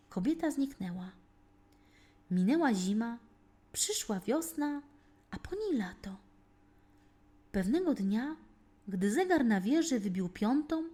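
A woman narrating a children's fairy tale as a storyteller, reading with dramatic, deliberate phrasing. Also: fairly high pitch, mellow. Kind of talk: scripted narration, expressive bedtime-story reading.

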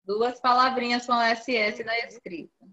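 A woman teaching an online class to young children, patiently coaxing them and spelling out syllables slowly. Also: fairly high pitch, flat delivery, crowd noise. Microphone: video call. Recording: dull lo-fi video call audio.

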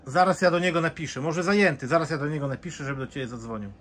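A man with a husky, slightly raspy voice talks casually and keeps coaxing and pressing. His voice sits a little high, and he soothes rather than shouts. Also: very fast. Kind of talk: casual chat.

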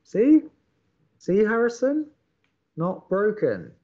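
A man's voice: high voice, huge pitch swings, takes it slowly, dark tone, dull audio, full character voice. A man playing a blunt, wry young college radio co-host in a naturalistic audio drama. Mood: wry, upbeat.

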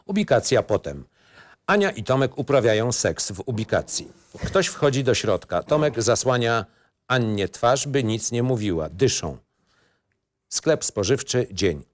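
A man's voice: medium pitch, big pitch swings, a little slow, dry recording. A man narrating a screenplay in short, matter-of-fact phrases. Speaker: narrator reading stage directions. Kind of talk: scripted narration, screenplay reading.

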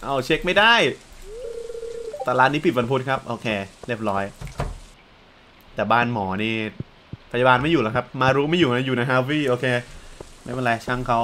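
A young man giving casual, chatty commentary while playing a farming game, often breaking into excited exclamations. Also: medium pitch, fairly quick, long pauses, slight background noise. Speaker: let's play gamer.

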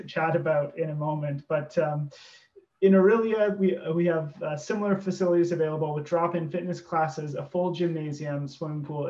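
A Canadian man with a fairly high voice runs through campus sports offerings in an informative way, pausing on fillers and restarting. The call audio sounds dull and muffled, with a roomy echo. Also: a little mellow. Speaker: university presenter. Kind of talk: virtual info session presentation.

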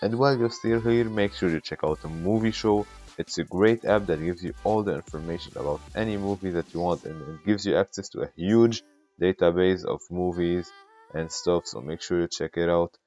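A man with a very deep voice talks the viewer through each step of a casual tech tutorial. His voice comes through a glitchy, bitcrushed mic that makes it sound robotic. Soft music plays faintly behind him. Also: moderate pace.

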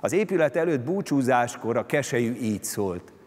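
A man giving a dramatic literary reading of a story, with expressive, sweeping intonation, on a concert hall stage. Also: medium pitch. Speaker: reciting actor.

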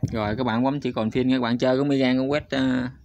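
A man talks viewers through a screen recording at an ordinary middle pitch. He is chatty and hesitant, stopping on fillers and turning to his audience again and again. The recording sounds slightly dull and lo-fi. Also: steady tone, quick pace, a little mellow. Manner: chatty, hesitant, often stops on fillers and addresses viewers constantly. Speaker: YouTube channel host. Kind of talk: casual screen-recorded walkthrough.

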